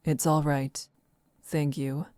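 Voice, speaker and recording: A woman's voice: deep voice, little pitch movement, takes it slowly, warm tone, dry recording, clean studio sound. An actress playing a composed, reserved young woman traveler in a visual novel, speaking formally and with restraint. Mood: subdued, wistful.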